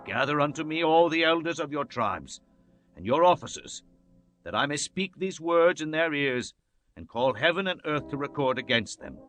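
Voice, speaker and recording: A man's voice: a little high, animated, normal speed, a bit bright, soft background music. A man playing an aged, stern and fervent prophet, declaiming solemnly in a dramatized scripture recitation. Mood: stern reproach.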